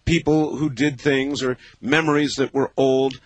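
A man of fifty hosting a late-night call-in radio show, talking in a thoughtful, measured way with many pauses and fillers. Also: medium pitch, fairly even intonation, no room sound. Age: 50s. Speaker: radio talk show host.

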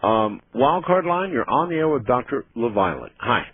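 A man hosting a call-in radio show in a calm, practiced radio-host manner, introducing callers and steering the talk. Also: medium pitch, normal speed, husky. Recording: narrow phone-like broadcast sound.

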